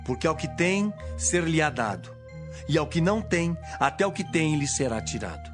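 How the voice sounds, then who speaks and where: A man playing Jesus as a solemn, authoritative teacher in a dramatized audio Bible, with measured, declamatory delivery. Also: on the high side, very animated. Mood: solemn teaching. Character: Jesus, authoritative male teacher speaking in parables. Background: music.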